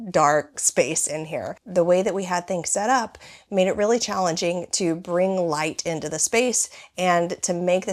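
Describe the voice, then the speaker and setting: A woman in her thirties with a hoarse, raspy voice from bronchitis, chatting casually as she tours her small living room. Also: on the low side. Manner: chatty, rambling with many "like" fillers. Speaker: home vlogger. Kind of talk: casual home tour vlog.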